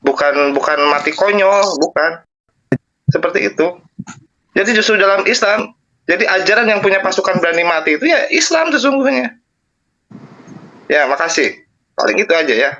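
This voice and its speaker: A man's voice: sits high, lively intonation, normal speed, long pauses, pushed and bright, dull audio. A man making a short, matter-of-fact point in a debate. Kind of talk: debate remark.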